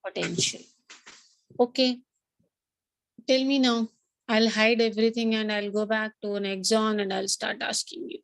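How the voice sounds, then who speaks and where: A woman's voice: a little high, steady tone, normal speed, gravelly, long pauses, dry recording, low-quality recording. A woman with a South Asian accent teaching an interactive online class, asking questions, repeating points and switching between two languages. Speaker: biology teacher.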